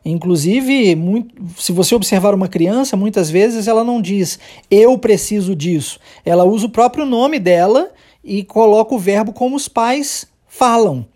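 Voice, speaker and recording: A Brazilian teacher with a Brazilian Portuguese accent leads a podcast English lesson in a warm, mellow voice with a slightly husky edge. The teacher explains with patience and models each phrase slowly, over and over, for the learner to copy. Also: medium pitch.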